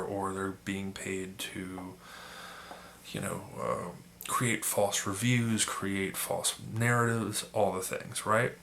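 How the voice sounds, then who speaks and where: A man with a low, gravelly voice that is raspy from being sick. The edge of his tone is bright and sharp. He rambles casually through his opinions with lots of restarts, and faint ambience sits behind him. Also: slight background noise. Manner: rambling, with many restarts and fillers. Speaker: photography YouTuber.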